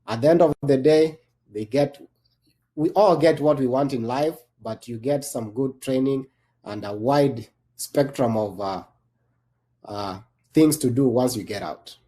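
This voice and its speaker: Panel guest, Kenyan-born male veteran; dark tone, loose delivery full of restarts. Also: mid-range voice, measured pace. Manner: rambling, many restarts and fillers. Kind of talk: panel discussion.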